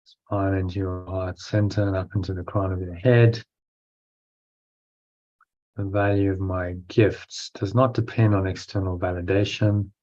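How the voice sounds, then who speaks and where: A man with a low, very level voice leads a breathing meditation. He gives instructions in short phrases, pausing between them, and reads affirmations to be repeated. The recording sounds dull and lo-fi. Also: steady tone, a little mellow. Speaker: guided meditation teacher.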